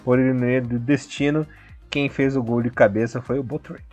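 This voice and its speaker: A man's voice: medium pitch, steady tone, normal speed, a little mellow. Male podcast co-host, teasing and jokey football banter, muffled lo-fi audio, faint music underneath. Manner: joking, teasing. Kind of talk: casual football chat.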